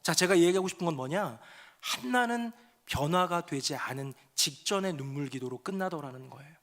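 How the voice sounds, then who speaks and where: A man delivering a Sunday sermon from the pulpit, his voice sitting high for a man. He moves between quiet, reflective passages and raised, emotional outbursts, acting out the prayers he describes. Expressive preaching style. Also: a little fast. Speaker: pastor.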